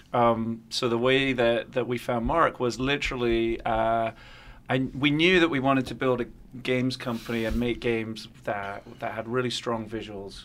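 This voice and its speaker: A normal speaking voice with fairly even intonation at a moderate pace, in a very clean recording with a silent background. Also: man. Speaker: game developer. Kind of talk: interview answers. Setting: studio.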